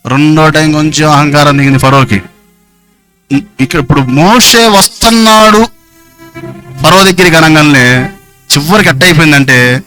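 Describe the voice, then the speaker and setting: A man's voice: a little high, pushed and bright. A man preaching a Sunday sermon in an emphatic, repetitive way, often putting questions to the congregation.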